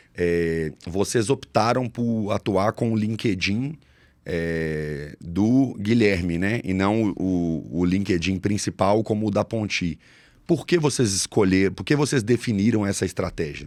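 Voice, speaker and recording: A man's voice at a fairly slow pace, with ordinary pitch variation, on a very clean recording with a silent background. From Brazil, Minas Gerais. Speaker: podcast host, agency founder. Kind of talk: podcast interview.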